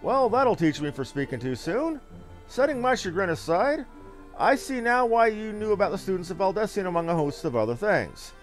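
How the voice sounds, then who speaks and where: A man's voice: high-pitched, very animated, moderate pace, faint music behind, pitched above the performer's own voice. A man voicing an earnest scholarly expedition leader from a fantasy game, formal and declamatory. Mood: chagrined, urgent. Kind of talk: fantasy game dialogue read aloud.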